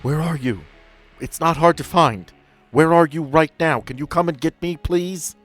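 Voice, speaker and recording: A frantic man stuck somewhere below, begging to be found, his voice pitched up and pushed loud. A man plays him. Faint music runs under the scene. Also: normal speed. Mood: pleading. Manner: pleading, frantic. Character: panicked trapped man calling on a ghostly radio.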